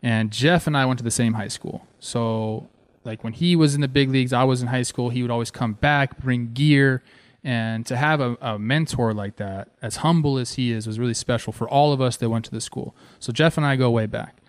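A man in his thirties from Southern California, a former ballplayer and host, telling stories in an excited, casual way. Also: normal speed, no room sound. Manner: excited, animated, talks with fillers like "man" and "boom". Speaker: former ballplayer hosting a show. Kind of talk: casual storytelling.

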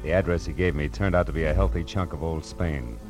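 A deep-voiced American private eye from an old radio crime play, music behind him. He talks tough and clipped, with a cool, world-weary deadpan. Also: a little fast. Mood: wry narration. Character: hard-boiled male private detective, cool, terse, world-weary. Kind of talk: 1940s radio detective drama acting and narration.

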